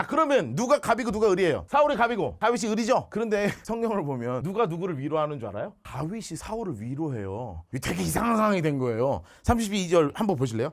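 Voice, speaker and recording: Animated high-voiced pastor teaching scripture. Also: male voice. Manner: animated, playful, acts out scenes. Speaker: pastor and Bible lecturer. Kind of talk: lively storytelling Bible lecture.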